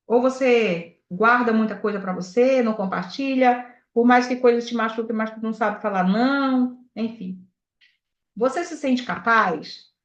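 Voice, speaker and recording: Animated woman, echoey talk. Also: fairly high pitch. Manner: animated, personal storytelling, direct questions to the audience. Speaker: sales director giving a motivational talk. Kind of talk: motivational talk. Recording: echoey, dull lo-fi sound.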